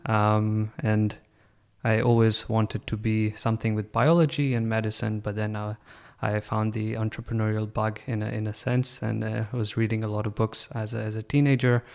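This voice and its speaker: A man in his twenties from Pakistan, a podcast guest telling his story in a relaxed, reflective way. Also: fairly low pitch, moderate pace, vocal fry. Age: 20s. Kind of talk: casual interview chat.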